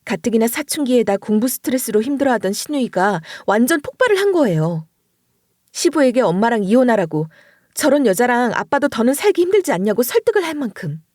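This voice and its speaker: A woman narrating a dramatic first-person story in an expressive storytelling voice. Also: fairly high pitch, fairly quick, no echo, studio quality.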